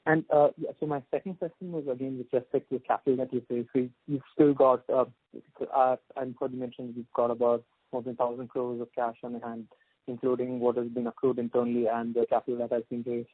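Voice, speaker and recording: A man asking halting, long-winded questions as an analyst on an earnings call. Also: medium pitch, level tone, breathy edge, no echo. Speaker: analyst caller. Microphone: telephone. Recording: tinny, dry phone line.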